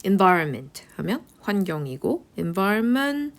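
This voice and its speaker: A woman teaching English vocabulary in a lecture, asking quick rhetorical questions and answering them herself, often dropping into a whisper. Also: mid-range voice, sing-song.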